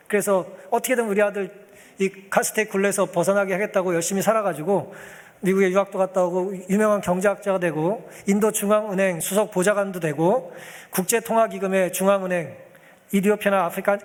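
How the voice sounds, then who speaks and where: A man's voice: high-pitched, in a large hall. A male pastor preaching a sermon, telling a story and acting out the pleas of its people as he addresses the congregation.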